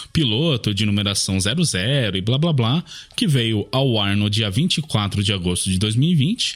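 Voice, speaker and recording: A man's somewhat breathy voice in an interior São Paulo accent, with lively intonation. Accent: caipira paulista. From interior of São Paulo state, Brazil. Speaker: podcast host and audio drama creator. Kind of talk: casual podcast monologue. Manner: casual, conversational.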